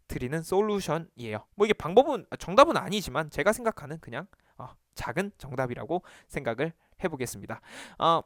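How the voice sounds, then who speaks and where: Lively guy teaching study tips to camera, bit high voice, dry close sound. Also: no room sound. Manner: animated, talks to himself to demonstrate. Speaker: exam study coach. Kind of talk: lively video lesson to camera.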